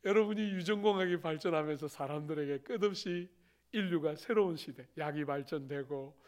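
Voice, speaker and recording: Animated Korean pastor preaching. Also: male voice, fairly high pitch. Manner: storytelling with lively acted-out quotes and rising emphasis. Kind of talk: sermon.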